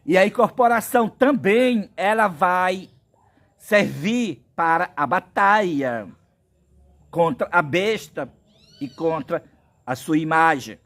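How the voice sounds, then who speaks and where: Pregador brasileiro de voz aguda e lenta. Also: male voice, high-pitched, animated, fairly bright tone. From Brazil. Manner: slow, insistent preaching with many biblical references. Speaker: preacher. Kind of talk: prophetic sermon monologue.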